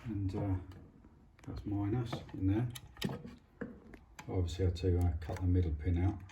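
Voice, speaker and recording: A man's voice: low-pitched, steady tone, normal speed, lo-fi sound. A man giving a casual, hesitant, understated commentary as he does a hands-on repair, thinking aloud. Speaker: hobbyist presenting a radio repair. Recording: clearly noisy home recording with clicks.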